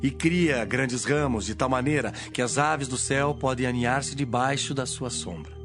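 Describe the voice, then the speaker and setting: A man playing Jesus as a solemn, authoritative teacher in a dramatized audio Bible, with measured, declamatory delivery. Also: mid-range voice, lightly acted. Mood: solemn teaching. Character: Jesus, authoritative male teacher speaking in parables. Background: music.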